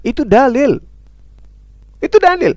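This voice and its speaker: A man with a high-pitched voice delivers a forceful, insistent debate sermon, quoting scripture. He hammers his points home with repeated rhetorical questions that he answers himself. The sound is close and dry, with no room echo. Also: big pitch swings, unhurried. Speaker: Islamic preacher in interfaith debate.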